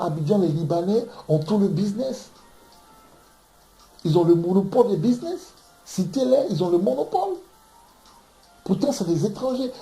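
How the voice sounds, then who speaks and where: Man from ivory coast, preacher, emphatic, stammering repeats, slightly high voice. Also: mellow. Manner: emphatic, repeats words while searching for them. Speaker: preacher teaching scripture. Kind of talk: impassioned bible teaching. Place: room in London. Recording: echoey room.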